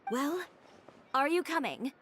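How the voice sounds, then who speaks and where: A woman voicing a proud, sharp-tongued female fashion designer in an anime game, cool and assertive. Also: high-pitched, big pitch swings, takes it slowly, heavily acted. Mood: determined. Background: faint game music.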